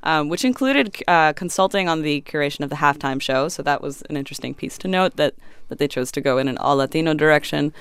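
Crisp, measured woman panelist. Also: low voice, lively intonation. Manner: measured, analytical. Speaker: podcast panelist. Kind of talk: casual panel discussion.

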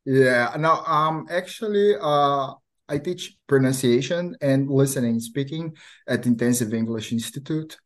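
Man, halting guest speech. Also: mid-range voice. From Brazil. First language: Portuguese. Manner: hesitant, many fillers and restarts. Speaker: guest, language teacher. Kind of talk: casual interview chat.

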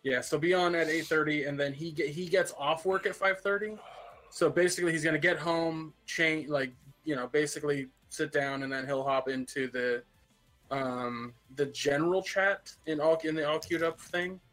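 A man's voice: a little high, fairly even intonation, moderate pace, fairly bright tone, soft background music. A man casually laying out the recording plan step by step on a voice call. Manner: organizing, explains plans step by step. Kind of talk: casual chat.

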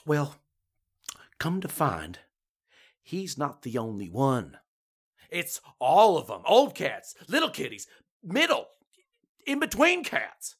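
An actress playing a distraught, feisty small-town cat owner in a podcast drama, talking in an animated, folksy way. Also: female voice, deep voice, takes it slowly, long pauses, breathy edge, exaggerated voice. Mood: agitated storytelling.

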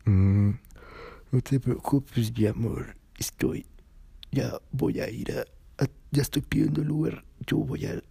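A man voicing a drunk young woman on the phone, slurring and sweet-talking her partner to calm him down. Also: medium pitch, a little slow, vocal fry, slightly rough, no echo, pitched above the performer's own voice, exaggerated voice. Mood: placating.

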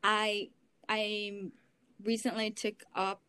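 A woman's voice: medium pitch, flat delivery, slow pace, bright, forceful tone, smooth. A woman from Belize, a guest on a casual talk show, speaking hesitantly with many fillers. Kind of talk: casual chat.

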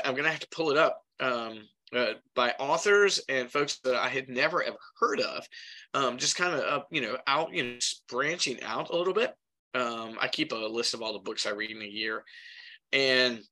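A man's voice: medium pitch, bright, forceful tone, low-quality recording. A middle-aged man hosting his own podcast in a casual, chatty way, with many fillers and a slightly congested voice from pollen. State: congested from pollen, occasional cough. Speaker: podcast host. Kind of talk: casual solo podcast talk.

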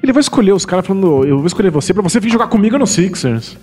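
A man co-hosting a casual podcast, trading animated, jokey banter with his partner. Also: high-pitched, racing, breathy edge, big-room sound, faint music behind. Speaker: podcast co-host.

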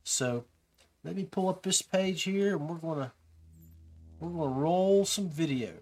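A man's voice: a little high, a little slow, darkish tone, faint music behind. A man hosting a podcast, casually talking viewers through advice with many fillers and restarts. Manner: coaching tone, giving tips to beginners. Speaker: podcast host.

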